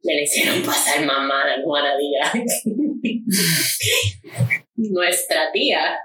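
Animated woman, echoey room. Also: low voice, slow, slight background noise. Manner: animated storyteller, switches into English, acts out voices. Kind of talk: casual chat. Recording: echoey room, mic at a distance.

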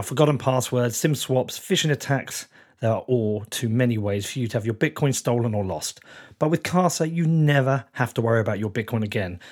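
A man with an English accent and a croaky, hoarse voice that is giving out, hosting a podcast and speaking informally and directly to listeners. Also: medium pitch, a little mellow. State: losing his voice. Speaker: podcast host. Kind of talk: podcast intro and sponsor reads.

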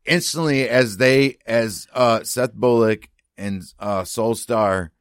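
A man co-hosting a casual review chat, chiming in with quick agreements and laughing along. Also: medium pitch, clean tone, no echo, studio quality. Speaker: podcast co-host.

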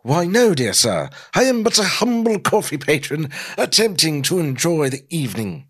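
A man voicing a haughty, snobbish British gentleman with pompous, florid speech in a comic script reading. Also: a little high, very animated, normal speed, voice pushed up. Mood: haughty politeness. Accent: put-on British. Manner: pompous, florid, over-enunciated. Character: haughty, snobbish British gentleman coffee patron, easily outraged.

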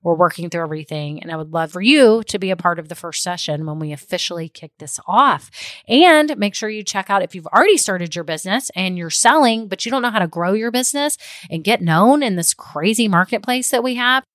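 A woman's voice: medium pitch, lively intonation, brisk, a bit bright, dry recording, studio quality. A middle-aged woman giving upbeat, encouraging, tidy step-by-step advice as a casual vlog host. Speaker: host of a business advice show.

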